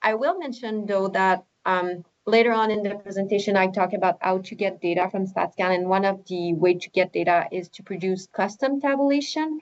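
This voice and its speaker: A woman with a French-Canadian accent talks at a moderate pace and medium pitch, with ordinary pitch variation and hardly any pauses. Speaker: statistician presenting data. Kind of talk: webinar presentation.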